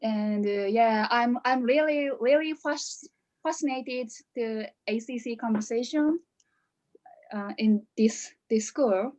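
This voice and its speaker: A woman's voice: on the high side, slow pace, darkish tone. A woman from Japan with a Japanese accent, giving a hesitant graduation speech with many restarts over a video call. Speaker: coaching graduate.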